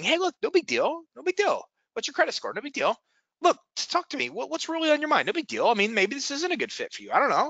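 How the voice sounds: High-pitched and very fast, the speaker delivers a put-on character voice.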